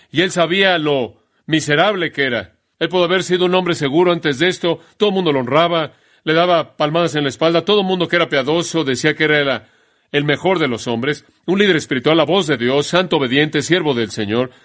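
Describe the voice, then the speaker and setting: A man preaching a sermon in an emphatic way, slowing down to stress key phrases. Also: fairly high pitch, a bit bright.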